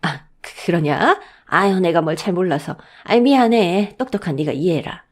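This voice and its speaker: A woman's voice: fairly low pitch, lively intonation. A woman doing a nagging old mother-in-law. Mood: sheepish. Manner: scolding, drawn-out nagging. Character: older mother-in-law, stubborn and favoring.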